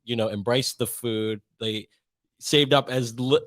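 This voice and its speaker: A man's voice: medium pitch, fairly even intonation, unhurried, a bit bright, dry recording. A young man guest in a casual podcast interview, talking loosely and rambling with lots of fillers and restarts. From United States.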